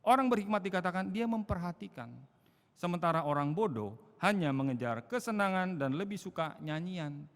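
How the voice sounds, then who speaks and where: A male pastor preaching a sermon, asking rhetorical questions and answering them himself, swinging from quiet to loud emphasis. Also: high-pitched, animated, normal speed. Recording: long hall reverb.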